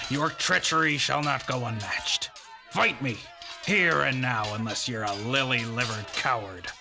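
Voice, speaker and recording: An actor in an audio drama playing an old, boastful, honour-bound river errant who speaks in archaic, folksy heroic bluster. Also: male voice, medium pitch, vocal fry. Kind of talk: audio drama acting and first-person storytelling. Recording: dramatic music behind the voice.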